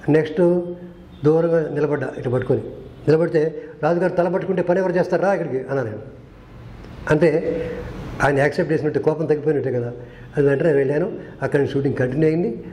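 Recorded in an echoey space, this is an older film director telling earnest stories about past shoots and acting out the conversations in them. His voice is mellow and a little high.

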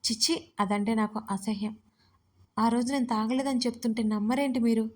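A woman's voice: on the high side, fairly even intonation, normal speed, lightly acted. A woman narrator voicing a touchy, easily annoyed young wife in an audio story. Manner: indignant.

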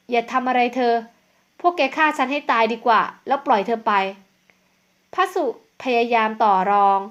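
A woman narrating a dramatic audiobook in a steady storytelling manner. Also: fairly high pitch.

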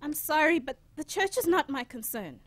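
A woman's voice: high voice, expressive, normal speed, a bit bright, no echo. A woman playing a troubled, protective young elder sister in an audio drama, earnest, hesitant but determined. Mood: indignant.

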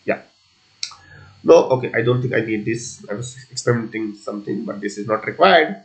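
A man giving an unscripted coding walkthrough as a tutorial presenter, explaining step by step in a halting, repetitive way. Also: lowish voice, animated, low-quality recording.

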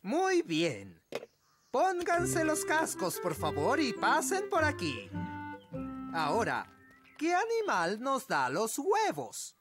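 A woman's voice: sits high, huge pitch swings, slow, heavily acted. A woman voicing a pompous, bossy old male elf with a Latin American Spanish accent in a children's cartoon dub. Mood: instructive. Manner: pompous, pedantic, exclamatory. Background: music.

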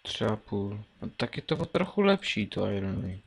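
A teenage man talks his way through a game in a low, gravelly voice. He mumbles and thinks aloud, half to himself, between keyboard and mouse clicks. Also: very animated. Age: teens. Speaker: gameplay commentator. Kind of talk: casual Let's Play commentary.

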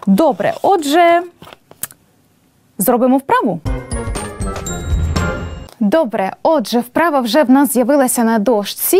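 A woman teaching a language lesson at a board, explaining patiently and spelling out examples slowly. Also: high-pitched, a little mellow, no echo.

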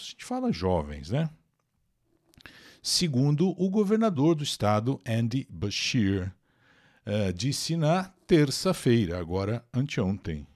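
A man's voice: medium pitch, a little mellow, no room sound, clean studio sound. A Brazilian man teaching English in a live stream, explaining words and pronunciation and reading out viewer comments.

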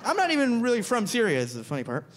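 A young man from Florida doing a stand-up set on a club stage into a handheld mic, animated and quick with his punchlines, slipping into other people's voices. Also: very high-pitched, noisy background. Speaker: stand-up comedian. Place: comedy club stage before a live audience.

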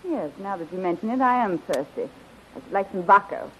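A woman's voice: medium pitch, lively intonation, a little fast, natural voice. An actress playing an imperious, vain queen in a theatrical 1930s radio style. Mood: flirtatious, regal. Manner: haughty, commanding, grandly theatrical. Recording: muffled, hissy 1930s radio recording.

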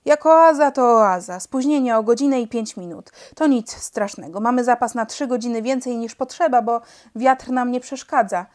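A woman voicing a calm, wry male pilot who has lost his legs, in a storybook reading. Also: fairly high pitch, normal speed, few pauses, pitched above the performer's own voice, close to an everyday voice. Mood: relieved. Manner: wry, matter-of-fact banter. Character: calm legless male pilot, dry joker.

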